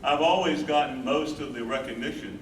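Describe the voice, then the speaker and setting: A man's voice: medium pitch, moderate pace, close to an everyday voice. A man playing a tender, devoted older husband caring for his wife in a staged reading of a play. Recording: roomy distant stage mic, loud noise.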